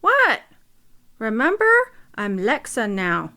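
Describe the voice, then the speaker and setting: A woman's voice: a little high, huge pitch swings, slow pace, over music, full character voice. A woman voicing her dead mother speaking through a smart speaker, scolding and tender by turns.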